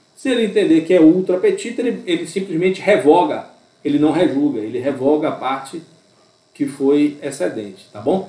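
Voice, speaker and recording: There is audible room echo around a man's high-pitched voice. His pitch makes very wide swings. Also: moderate pace. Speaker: law professor. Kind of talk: lecture.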